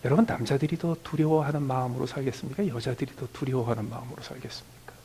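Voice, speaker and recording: A man's voice: steady tone, quick pace, a little hiss or hum, poor audio. A Korean man in his fifties preaching a sermon as pastor, often dropping to a near whisper on key phrases, then lifting his voice to act out quoted family talk. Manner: acts out quoted family dialogue in a higher, louder voice.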